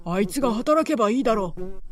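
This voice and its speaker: A woman voicing gruff, scornful male village farmers who complain and bully with rough country speech. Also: medium pitch, expressive, fast, natural voice.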